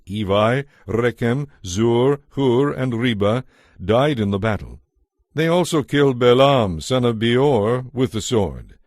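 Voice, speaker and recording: Male narrator for scripture drama: mid-pitched voice, formal measured reading, very dry studio sound. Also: a little mellow, no echo.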